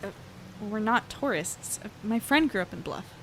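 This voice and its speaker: A woman's voice: mid-range voice, lively intonation, normal speed, a bit bright, slight background noise, low-quality recording. A woman in her twenties playing an earnest young reporter in an audio drama, conversational and hesitant as she thinks aloud. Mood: indignant. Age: 20s. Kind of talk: audio drama, naturalistic monologue and dialogue.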